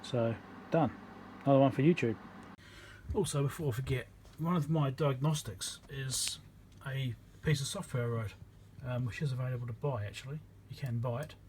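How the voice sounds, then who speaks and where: A man with a soft-edged, mellow voice talks through technical details in a casual, matter-of-fact way. He rambles a little as he thinks aloud, with faint noise behind him. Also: medium pitch, normal speed. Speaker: electronics repair host.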